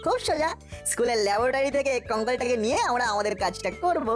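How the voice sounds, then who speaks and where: A woman voicing a clever, excitable ten-year-old boy with an eager, plotting manner in a children's cartoon. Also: fairly high pitch, soft background music, lightly acted. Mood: eager, scheming. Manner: eager, exclamatory, quick to plot. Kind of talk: animated children's cartoon acting.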